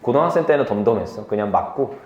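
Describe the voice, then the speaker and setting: A young man preaching a sermon to a youth group, telling stories from his life in a lively way, laughing easily and asking the listeners questions. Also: on the low side, echoey room, lo-fi sound. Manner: lively storytelling, quick to laugh; asks the listeners questions directly.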